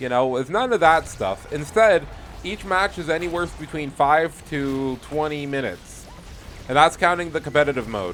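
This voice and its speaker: A fairly high-pitched man with lively intonation at a moderate pace, music playing in the background. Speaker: gaming video creator. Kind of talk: casual commentary. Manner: slurring words; energetic.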